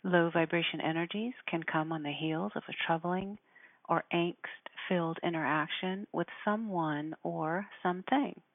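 A woman speaking in a measured, deliberate way, giving spiritual instruction and guided meditation. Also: fairly low pitch, dry recording. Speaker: spiritual teacher guiding listeners. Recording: narrow phone-like sound.

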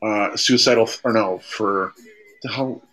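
A man's voice: lowish voice, a little slow, a crowd in the background, poor audio. A man chatting casually as co-host of a comedy podcast.

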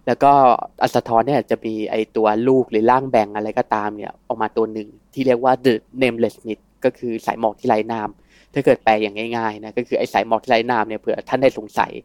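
Man, quick talker, casual podcast explainer, dry close sound. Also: lowish voice, little pitch movement, a little mellow, no echo. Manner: explanatory, laughs between points. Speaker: podcast co-host explaining lore.

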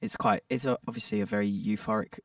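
A man's voice: medium pitch, sing-song, fast, gravelly, dry recording, clean studio sound, far from the mic. A man, a guest actor, chatting casually on a podcast, laughing often.

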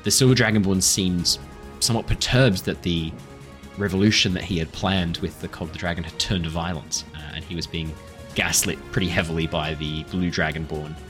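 A man's voice: low voice, fairly even intonation, fairly quick, fairly bright tone. A man narrating a tabletop role-playing game as game master, agreeable and affirming towards his players. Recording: music underneath.

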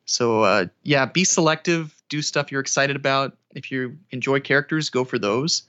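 A man with a mid-pitched, bright and crisp-edged voice chats as a podcast guest. His delivery is conversational, and the recording is slightly dull and band-limited. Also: normal speed. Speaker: podcast guest, audiobook narrator. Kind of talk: casual interview chat, giving advice.

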